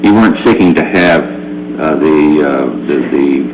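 Very deep-voiced male judge, hesitant. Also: unhurried. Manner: hesitant, searching for words. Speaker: judge presiding in court. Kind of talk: questioning from the bench. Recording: clear background hum.

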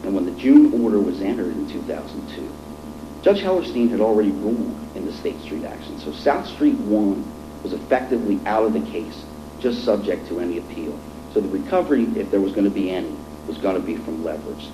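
A man's voice: sits low, very animated, a little fast. A man speaking as a lawyer, making a formal oral argument in court. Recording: echoey courtroom with clear noise and hum.

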